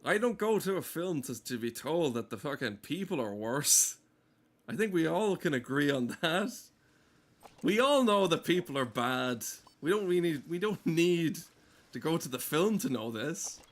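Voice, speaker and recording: A man's voice: fairly high pitch, sing-song, moderate pace. A man giving casual, rambling gameplay commentary in a sardonic, exasperated and sweary way. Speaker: game streamer.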